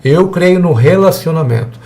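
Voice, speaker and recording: A man's voice: fairly high pitch, animated, moderate pace, darkish tone. A man teaching a church evangelism class in a conversational way, acting out little dialogues with the people he talks to. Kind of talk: church seminar lesson.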